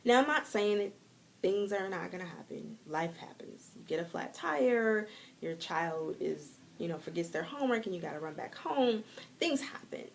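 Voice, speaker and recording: A woman talks straight into her phone on a live stream, coaching listeners with lively encouragement. Her voice sits mid-pitch with a gravelly, fry-tinged texture. She slows down on key words and breaks into light laughter. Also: a little hiss or hum. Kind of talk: live-streamed motivational talk. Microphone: phone mic.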